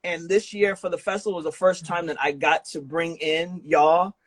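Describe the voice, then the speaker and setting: Man, podcast host, higher-pitched voice, slangy casual chat, freely swearing, affirming. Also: fairly even intonation, moderate pace. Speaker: podcast host and festival organizer.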